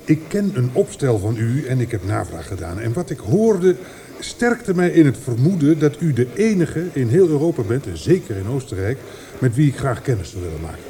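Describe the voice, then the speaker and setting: A man's voice: medium pitch, sing-song, normal speed, mellow, slight background noise. An actor in a Dutch radio drama playing an intense, possessive male poet who declaims formally and fervently. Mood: formal, eager.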